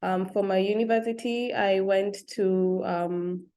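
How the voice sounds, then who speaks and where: A young woman with a Kenyan accent speaks as an interview guest. She talks in a thoughtful way, pausing with fillers and letting soft laughs slip in. Her voice sits at a middle pitch. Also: fairly even intonation. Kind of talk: interview conversation.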